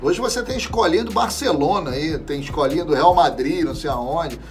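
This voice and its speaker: A man's voice: on the high side, brisk, soft background music. A man, a guest chatting casually about football with swearing and many restarts. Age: 40s. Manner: animated, swears freely, trails off and restarts. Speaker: interview guest.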